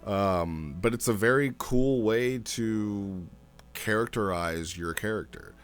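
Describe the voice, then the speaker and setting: A man's voice: on the low side, slow. A man giving a casual, off-the-cuff review as a host, thinking aloud and repeating phrases for emphasis. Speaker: host reviewing a text role-play.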